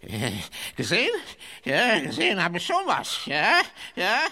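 An actor playing a nervous, crazed old prospector in a German radio play, with a croaky voice that breaks and wavers. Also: male voice, sits high, huge pitch swings, unhurried, bright, forceful tone, exaggerated voice. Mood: crazed, creepy. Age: older. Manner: nervous, slightly mad, giggling.

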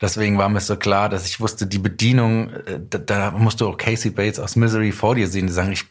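Low-voiced middle-aged man in conversation. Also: steady tone, fast. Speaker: podcast guest, audio drama writer and director. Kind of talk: casual conversational interview, explaining and telling anecdotes.

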